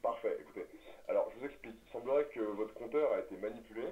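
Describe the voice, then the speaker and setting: Un homme au téléphone pour un canular, au débit hésitant et un peu récité. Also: male voice, mid-range voice, fast talker, natural voice. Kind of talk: prank phone call recording. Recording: dull lo-fi audio.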